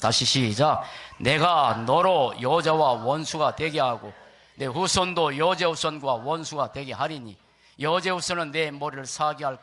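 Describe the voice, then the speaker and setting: A man preaching to a congregation as a pastor, stressing key words in deliberate phrases and putting questions to his listeners. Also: medium pitch, a bit bright. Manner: puts rhetorical questions to listeners. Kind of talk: church sermon to a congregation.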